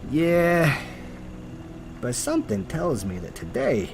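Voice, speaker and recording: A man's voice: a little high, wildly swooping pitch, slow pace, vocal fry, faint music behind, heavily acted. An actor playing a dry, confident, street-smart male detective in a noir audio drama. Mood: wry. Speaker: private investigator.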